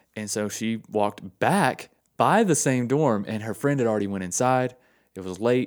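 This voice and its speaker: A man with an American accent talks at a moderate pace in a fairly low pitch, with ordinary pitch variation and a normal speaking voice. The recording is very clean, with a silent background. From North Carolina. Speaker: true crime podcast co-host. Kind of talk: casual chat.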